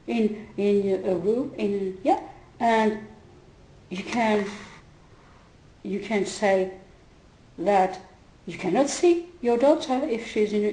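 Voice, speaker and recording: A woman whose first language is not English, retelling a conversation in a halting way with many fillers and restarts and frequent laughter. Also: medium pitch, mellow. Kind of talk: casual spoken retelling. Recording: roomy echo.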